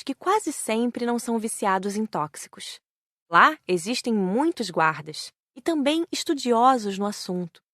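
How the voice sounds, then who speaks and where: A woman narrates an audiobook in the first person from a script. Her pitch is average, and the recording is close and dry, with no room sound. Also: a bit bright, no room sound.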